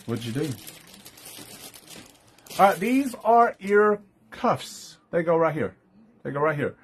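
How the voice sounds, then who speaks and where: A fairly high, husky man's voice runs a live-stream jewelry sale. He chats upbeat and friendly, greeting viewers by name while describing each piece for sale. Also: big pitch swings, takes it slowly. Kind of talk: casual live-stream sales chat.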